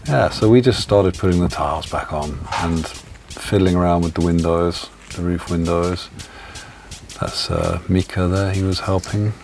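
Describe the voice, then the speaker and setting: A hoarse man narrating his building vlog in a relaxed, halting way with lots of "uh". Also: deep voice, a little hiss or hum. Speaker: vlogger. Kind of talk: casual narration. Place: home studio. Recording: voice-over with music bed. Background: music.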